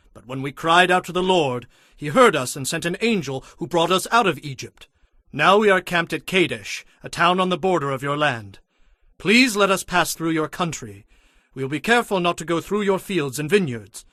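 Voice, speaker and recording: An ancient envoy in an audio Bible drama, earnest and respectful. His voice is fairly high and very bright, with formal phrasing and a dry, close sound. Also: animated, normal speed, dry recording. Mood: earnest, pleading. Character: earnest, respectful ambassador delivering a plea.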